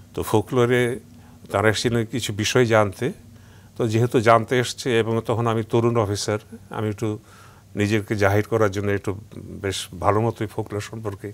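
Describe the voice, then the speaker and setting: This man's fairly low voice holds a monotone, flat intonation. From Bangladesh, Kushtia district; Bangladesh. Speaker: writer and broadcaster; guest. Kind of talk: talk show interview. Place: studio. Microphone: lapel.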